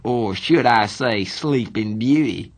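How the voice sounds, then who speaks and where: A man plays a tough young street hood in an audiobook story. He sounds rough and cocky, talks in blunt slang and teases with a sardonic edge. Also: medium pitch, slow. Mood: teasing, brash. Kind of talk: audiobook character dialogue.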